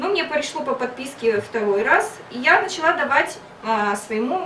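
Light background noise and audible room echo surround a woman with a high pitch and lively intonation speaking at a fairly slow pace. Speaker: balloon shop representative. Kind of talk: casual promotional remarks. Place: office. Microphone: camera far.

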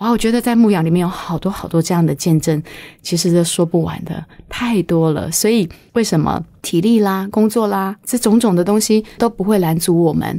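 A woman's voice of medium pitch with a dark, mellow tone, at a moderate pace. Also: ordinary pitch variation. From Taiwan, rural countryside. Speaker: pastor's wife and full-time minister; pastor's wife, full-time minister. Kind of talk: testimony. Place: studio.

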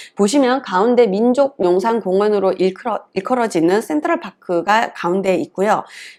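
A dark, mellow tone carries lively intonation at a moderate pace. The recording is very clean with a silent background. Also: woman. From South Korea, Ulsan. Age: 40s. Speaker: local resident council member. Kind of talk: policy presentation. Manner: halting, many fillers.

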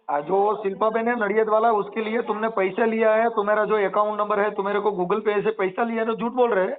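A man talks in a high voice with flat, monotone intonation. Background noise is noticeable. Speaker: activist helping fraud victims over the phone. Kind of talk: phone conversation. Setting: phone call.

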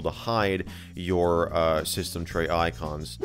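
Faint music sits in the background while a man speaks with a very deep, low pitch and ordinary pitch variation. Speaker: tech video host. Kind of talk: tutorial. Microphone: studio mic.

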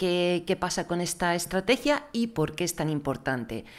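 Against a quiet background, a woman with a normal speaking voice and fairly low pitch talks at a moderate pace with lively intonation. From Madrid, Spain; Spain. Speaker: sustainable fashion consultant and moderator; moderator. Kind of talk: conference talk. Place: meeting room. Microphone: podium.

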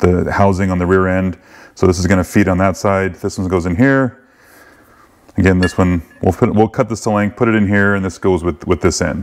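A man talks in a very deep, low pitch. His intonation stays fairly even. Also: fairly quick pace. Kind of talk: tutorial. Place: garage. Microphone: camera far.

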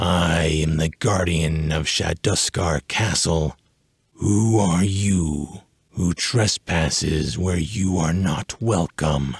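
A man's put-on character voice, raspy, hoarse and whispering, at a very slow pace. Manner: haunting, sinister, emotionless.

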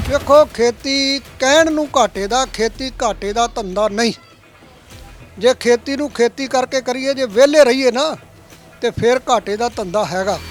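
Music plays behind a man whose voice sits at an extremely high pitch. The sound is dry and close, with no echo. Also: ordinary pitch variation. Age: 80s+. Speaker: farmer. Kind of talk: interview.

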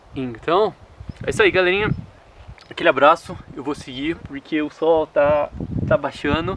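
A man talks at a moderate pace with fairly high pitch and ordinary pitch variation. The sound is dry with no echo, though background noise is noticeable. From Brazil. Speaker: former exchange student. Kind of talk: testimony. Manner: casual, halting with repetitions. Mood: relaxed, cheerful. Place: open country.

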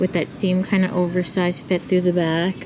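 The background noise is noticeable. Through it, a woman talks. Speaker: fashion shopping vlogger. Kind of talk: product description vlog. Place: shop.

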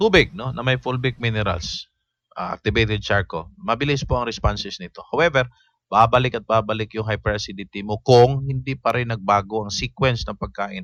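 Here is a man with an ordinary speaking voice, medium pitch and ordinary pitch variation. He talks at a fairly quick pace, and his loudness swings widely. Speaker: alternative medicine practitioner. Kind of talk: health advice explanation.

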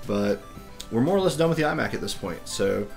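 A man at a very fast pace, with faint music in the background. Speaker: hobbyist tech youtuber. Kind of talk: casual vlog chat. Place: home room. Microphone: studio mic.

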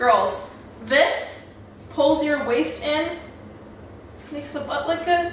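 Pausing long and often, a woman with a high pitch speaks at a very slow pace in a room with audible echo and light background noise. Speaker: fashion YouTuber. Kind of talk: try-on haul vlog. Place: home room. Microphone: camera far.

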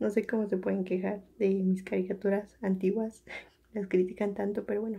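A woman's dark, mellow, somewhat breathy voice at medium pitch, monotone and flat, with a Mexican accent and a quiet background. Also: moderate pace. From Mexico. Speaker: youtuber. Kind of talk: casual vlog. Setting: at home late at night. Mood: cheerful, a bit embarrassed. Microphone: phone near.

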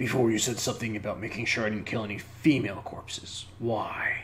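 A gruff, put-on character voice at a fairly quick pace, over clear background noise. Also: man, medium pitch for a man. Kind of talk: amateur game dialogue reading. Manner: blunt, confused.

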